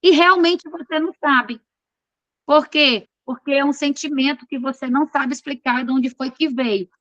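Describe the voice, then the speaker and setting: A woman's voice: sits high, normal speed, a bit bright, no echo, highs cut off. A woman teaching an online class. She reads from course notes and keeps checking in with her students in a chatty, informal way.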